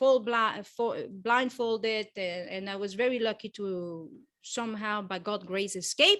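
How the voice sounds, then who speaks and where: In a French accent, a woman speaks at a fairly slow pace with fairly even intonation. Her pitch is fairly high and her tone bright and sharp. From southern France. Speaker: entertainer and spiritual speaker. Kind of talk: interview testimony. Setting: online summit interview. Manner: halting.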